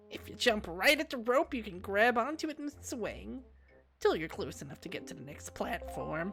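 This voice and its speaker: Over music in the background, a man does a nasal, put-on character voice with a smug tone, high pitch, moderate pace and big swings in loudness. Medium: game stream. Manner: smug, snooty.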